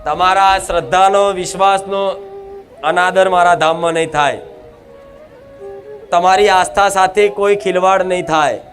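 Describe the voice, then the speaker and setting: A man with a high, lifted voice preaches in a long unbroken stream, speaking as a goddess through a medium. He exhorts and calls out to his listeners, leading them in chanted responses. Loud devotional music runs behind him the whole time. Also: steady tone, unhurried, pauses often. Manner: nonstop exhorting, leads call-and-response chants. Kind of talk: devotional sermon.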